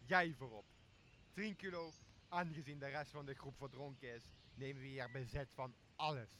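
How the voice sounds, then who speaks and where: A man's voice: mid-range voice, steady tone, normal speed, bright, forceful tone, a little hiss or hum, lightly acted. A young man, a student actor in a radio play, playing a drunken, pompous, commanding lord of an island. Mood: merry, commanding. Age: young adult. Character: drunken, bossy, self-crowned male lord of an island. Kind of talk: amateur radio drama acting.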